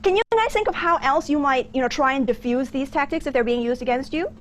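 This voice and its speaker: A woman's voice: sits high, fast. A woman in her thirties with a mixed Singaporean and American accent, giving an informal, conversational lecture. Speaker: business school lecturer. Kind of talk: interactive lecture with anecdotes. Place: lecture theatre with audience. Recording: background noise of a lecture room.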